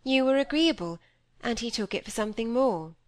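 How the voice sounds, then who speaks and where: A woman voicing an earnest young woman who speaks gravely and plainly. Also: on the high side, animated, fairly quick, a little mellow, no echo, voice pushed up, close to an everyday voice.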